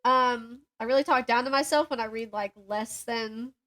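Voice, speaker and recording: A woman's voice: on the high side, normal speed, a bit bright. A young woman co-hosting a podcast, chatting casually about books and reading bits aloud, giggly and a little self-deprecating. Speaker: podcast co-host. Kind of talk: casual book chat with synopses read aloud.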